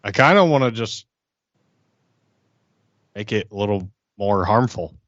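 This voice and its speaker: A man's voice: fairly low pitch, animated, a little slow, a bit bright, dry recording, lo-fi sound. A man playing a tabletop game, chatting casually in an informal, blunt way. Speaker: player in a tabletop RPG podcast.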